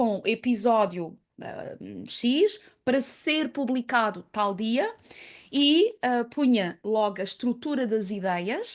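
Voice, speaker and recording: A woman's very slow speech with a French accent and lively intonation, over a quiet background. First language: French (speaking Portuguese). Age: 50s. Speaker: podcaster and therapist. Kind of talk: conference talk. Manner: hesitant, many fillers.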